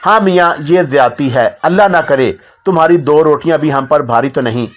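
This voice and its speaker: A man voicing an anxious, motherly middle-aged lady of the house who pleads gently. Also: a little high, a little fast, natural voice. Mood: worried. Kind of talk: audiobook character voice.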